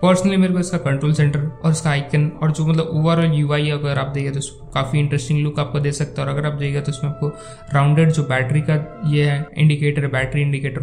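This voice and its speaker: A slightly hoarse young man giving a casual, rambling voice-over review of phone themes for his tech channel. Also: on the high side, darkish tone. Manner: rambling, filler-heavy casual talk. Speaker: tech YouTuber.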